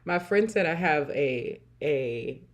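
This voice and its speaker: A woman hosting a casual livestream, chatting warmly, laughing often and reading out viewer comments. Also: low-pitched, animated, takes it slowly. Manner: warm, chatty, laughs often, repeats "I love it". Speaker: livestream host.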